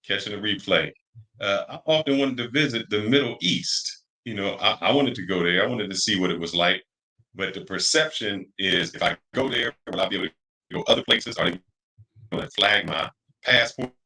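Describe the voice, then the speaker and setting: Man on a glitchy line, speeding up and slowing. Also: fairly low pitch, bright, forceful tone, rough recording. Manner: rambling, reflective, addresses listeners as brothers and friends. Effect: glitchy online connection with static, speeding up and slowing down. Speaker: livestream co-host. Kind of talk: casual chat.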